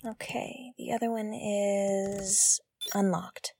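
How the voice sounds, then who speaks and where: A woman's voice: mid-range voice, steady tone, slow, gravelly, darkish tone, slight background noise. A woman playing a young hacker in an audio drama, casual, colloquial and sympathetic. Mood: focused.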